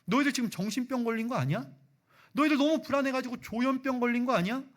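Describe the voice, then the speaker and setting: A man's voice: very high voice, fast, fairly bright tone, pitched above the performer's own voice. A male pastor voicing a stubborn, scornful male disciple who mocks and refuses to believe. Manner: mocking, dismissive, insistent.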